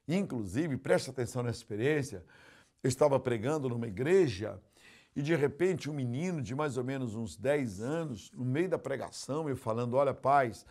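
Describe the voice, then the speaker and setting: An older pastor from Brazil preaching a sermon, telling stories with acted quotes and swinging between loud outbursts and hushed asides. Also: male voice, mid-range voice, expressive, moderate pace.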